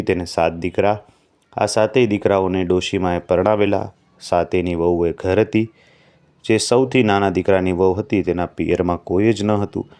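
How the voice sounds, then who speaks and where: Smooth low-voiced man narrating a folk tale. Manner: steady, devotional storytelling. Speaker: storyteller.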